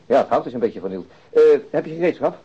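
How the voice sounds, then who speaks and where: A big, mild, reluctant fellow in a radio play. He talks fast but hesitantly in a husky voice, easygoing throughout. The sound is slightly dull. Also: medium pitch, lively intonation, mellow. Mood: practical, mild. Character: big, reluctant, mild-mannered male handyman friend. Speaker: radio drama actor. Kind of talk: naturalistic radio drama dialogue. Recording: muffled radio drama recording.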